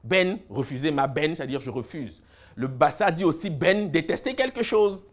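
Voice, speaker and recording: A man from Cameroon giving a lecture, listing words slowly and then explaining them with emphasis. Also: a little high, lively intonation. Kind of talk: lecture on word roots.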